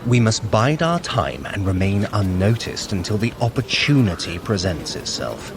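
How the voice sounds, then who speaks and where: Low-voiced, sly trickster god. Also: male voice, very animated, moderate pace, noisy background. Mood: condescending. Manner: haughty, dry, formal old-fashioned phrasing. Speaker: fitness workout guide character. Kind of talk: scripted audio adventure acting.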